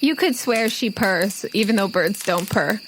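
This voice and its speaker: A woman's voice: medium pitch, lively intonation, a little slow, fairly bright tone, slight background noise, poor audio. A woman acting as game master, narrating a tabletop role-playing game in a casual, conversational, improvised way.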